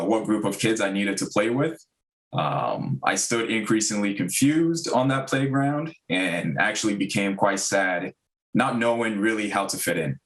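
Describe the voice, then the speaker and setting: A man in his thirties, originally from Ghana, speaks to a public school meeting in a fairly low voice. His delivery is earnest and measured, dotted with um and uh. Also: a bit bright. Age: 30s. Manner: earnest, measured, frequent um and uh fillers. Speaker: district diversity director. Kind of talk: prepared remarks at a public meeting.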